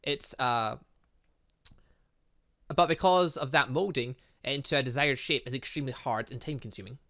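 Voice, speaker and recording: Cast: a keen, scholarly female professor, bright and sharp-toned , voiced by a man reading a game. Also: medium pitch, normal speed. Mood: enthused. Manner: reading dialogue aloud in a light put-on voice. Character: female professor, brisk, scholarly, enthusiastic about science.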